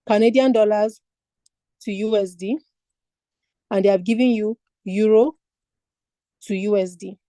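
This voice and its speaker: Speaking in a dark-toned, mid-range voice, a Nigerian woman leads an online finance exam class, breaking things down step by step and asking rhetorical questions. The audio is clean studio quality with no echo.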